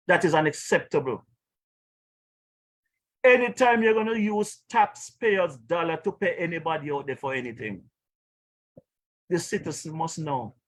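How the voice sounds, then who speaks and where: Outspoken male talk host with a Caribbean accent and a slightly high voice, delivering indignant political commentary. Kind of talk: political commentary on a live stream.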